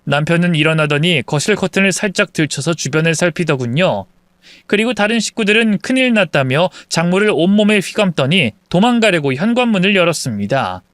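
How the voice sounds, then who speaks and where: A narrator reading a dramatic true-story account in a steady, scripted way. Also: medium pitch, brisk, no room sound.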